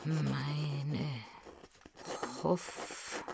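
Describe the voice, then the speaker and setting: An unhappy Bavarian servant woman in an audiobook drama. She drags out each word in a low, creaky mutter, halting and reproachful as she writes. There is clear noise behind her. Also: little pitch movement, heavily acted. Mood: halting, sullen. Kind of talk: dialect audiobook acting.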